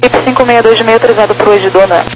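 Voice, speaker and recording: Rapid, flat-toned air traffic controller on radio. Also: medium pitch, music in the background. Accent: Brazilian. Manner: procedural, rapid-fire instructions. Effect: aviation radio transmission. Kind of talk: clipped radio callouts. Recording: noisy radio channel with hum.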